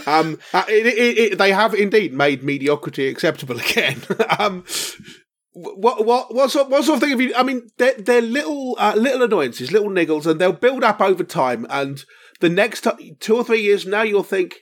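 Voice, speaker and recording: A man's voice: high-pitched, lively intonation, moderate pace. A man co-hosting a casual tech podcast, wry and joking, laughing often as he talks. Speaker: podcast co-host.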